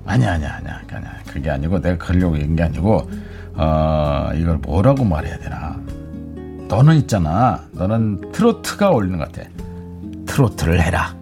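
A man's voice: deep voice, animated, moderate pace, vocal fry, music in the background. An actor playing blunt, self-important middle-aged male teachers and bosses, hesitant with many fillers and repeats. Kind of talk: TV reenactment acting.

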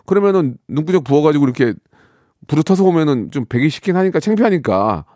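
A man's voice: on the high side, sing-song, fast talker, dark tone, no room sound, studio quality. Chatty middle-aged male radio host. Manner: chatty, joking, reacts with mock outrage. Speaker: radio host reading listener messages. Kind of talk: casual radio chat.

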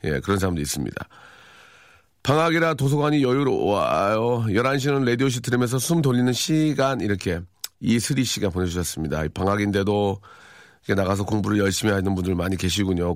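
A man in his forties hosting a live radio show, reading listener messages with dry, teasing deadpan humor. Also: lowish voice, dry recording. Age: 40s. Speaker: radio host. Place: radio studio. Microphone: studio microphone.

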